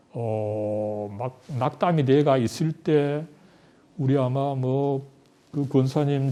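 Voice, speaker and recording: A man's voice: medium pitch, warm tone. A man teaching a Christian book study, talking conversationally and checking in with his listeners after nearly every sentence.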